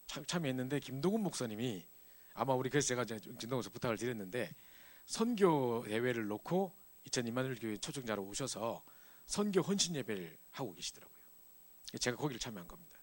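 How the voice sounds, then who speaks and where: A middle-aged man preaching to a church youth group, telling a personal story in a lively, animated way. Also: medium pitch, fast. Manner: animated storytelling, acts out scenes. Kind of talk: sermon with personal testimony.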